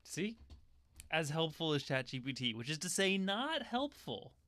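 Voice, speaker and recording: A man's voice: fairly high pitch, sing-song, unhurried, sharp tone, no room sound, clean studio sound. A man streaming a casual watch-along, joking, laughing often and getting emotional over the film. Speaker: streamer hosting a watch party.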